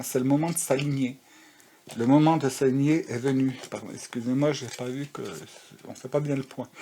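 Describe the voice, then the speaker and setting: A man's voice: mid-range voice, a little mellow. A man giving a casual spiritual tarot reading, rambling, with many fillers and restarts. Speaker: tarot card reader. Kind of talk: casual spiritual guidance talk.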